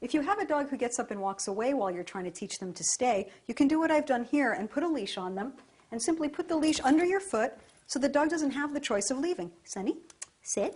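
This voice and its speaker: At a fairly quick pace, a woman speaks in a calm tone at a high pitch with very wide pitch swings. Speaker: dog trainer. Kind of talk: tutorial. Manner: calm and even.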